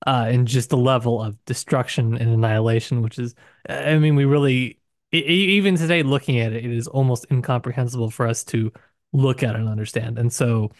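A man's voice: mid-range voice, steady tone, fairly quick, no room sound, clean studio sound. A man co-hosting a podcast, talking casually and discursively about literature, with hedges and asides. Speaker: podcast co-host.

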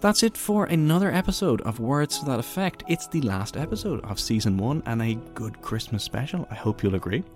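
Male podcast host: informal, appreciative, mid-pitched with lively intonation, scripted sign-off. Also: brisk, hardly any pauses, soft background music.

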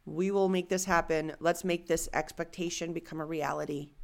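A young woman co-hosting a casual podcast, an animated storyteller who acts out quotes and wanders off on tangents. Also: sits low, moderate pace, gravelly. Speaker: podcast co-host.

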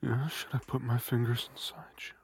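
A man whispering a slow, coaxing intimate audio roleplay in a soft, breathy voice. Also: medium pitch, flat delivery.

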